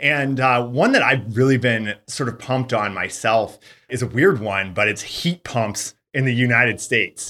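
A loud man with an American accent, bright and sharp in tone, at a moderate pace with hardly any pauses, on a very clean recording with a silent background. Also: medium pitch for a man, ordinary pitch variation. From US, Colorado. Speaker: product executive. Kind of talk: interview.

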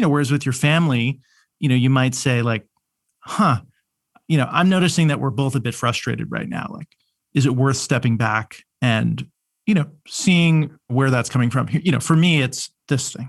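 A man's normal speaking voice at medium pitch and moderate pace, with ordinary pitch variation. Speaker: company founder or CEO. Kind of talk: interview. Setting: office.

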